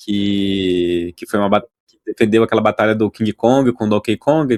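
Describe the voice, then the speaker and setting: With an ordinary speaking voice, a man at a fairly low pitch talks at a moderate pace with fairly even intonation and big swings in loudness. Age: 30s. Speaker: gamer and engineer, podcast guest. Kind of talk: casual interview.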